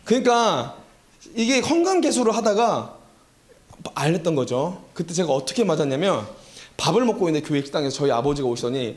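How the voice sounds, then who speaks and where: A man preaching a revival sermon as pastor, telling a personal story and asking the congregation questions. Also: fairly high pitch. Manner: animated, acts out quoted voices, rhetorical questions to congregation.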